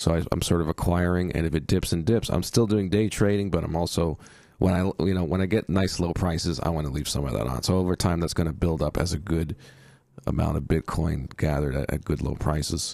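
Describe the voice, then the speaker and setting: Fairly quick male speech, pitch varying in an ordinary way. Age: 40s. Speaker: crypto and forex trading streamer. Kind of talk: live stream commentary. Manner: casual with many fillers.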